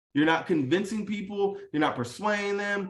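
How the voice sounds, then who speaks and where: Loud and fast-moving, a man speaks at a fairly quick pace with a high pitch. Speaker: real estate wholesaling coach. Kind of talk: live Zoom teaching call. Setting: video call. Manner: animated.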